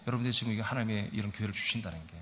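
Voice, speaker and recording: A middle-aged male pastor preaching a lively sermon, often asking his congregation questions. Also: fairly low pitch, racing, slight background noise. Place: church sanctuary. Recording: church hall reverb.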